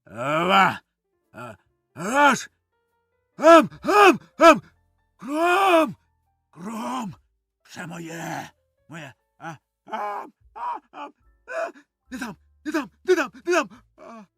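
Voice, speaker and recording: A man's voice: very high voice, huge pitch swings, slow pace, no echo, faint music behind, voice pushed up, exaggerated voice. A man reading the part of a grasping, coarse old farmer who curses and grumbles, in a dry studio audiobook of a stage play. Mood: feverish. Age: older. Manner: gruff, cursing, shouts in his sleep.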